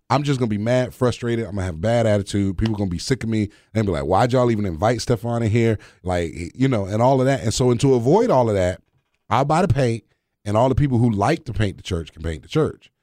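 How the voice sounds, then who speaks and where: A man's voice: medium pitch, expressive, a little fast, darkish tone, dry recording, clean studio sound. A man co-hosting a casual Christian podcast, telling stories in a conversational way and quoting scripture. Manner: conversational, storytelling, quotes scripture. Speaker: podcast co-host.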